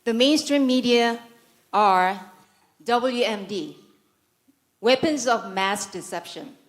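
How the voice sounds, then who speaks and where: A South Korean woman whose native language is Korean gives a prepared conference speech in English with a Korean accent. Her voice sits on the high side and moves slowly, and the talk is packed with dry, sarcastic humor and mock-serious asides.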